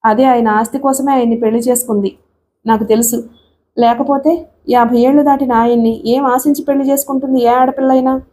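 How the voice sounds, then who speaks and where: A woman's voice: fairly high pitch, steady tone, a little fast, dark tone, a little hiss or hum, close to an everyday voice. A woman reading the part of a tearful, jealous young wife who complains bitterly.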